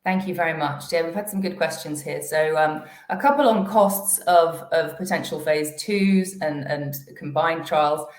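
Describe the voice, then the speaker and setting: Female exec, deep voice, halting delivery full of ums, slightly hoarse, roomy video-call sound. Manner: hesitant, many fillers and restarts. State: losing her voice. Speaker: company executive presenting to investors. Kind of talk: investor presentation and Q&A.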